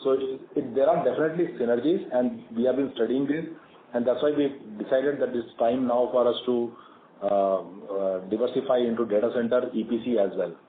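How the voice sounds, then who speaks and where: A man with an Indian accent speaks as an executive on an earnings call, explaining things in a measured way. His mid-pitched voice comes through a narrow telephone band, with noticeable echo and some noise. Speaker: company executive answering investor questions. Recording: phone-like conference line, echoey, clearly noisy.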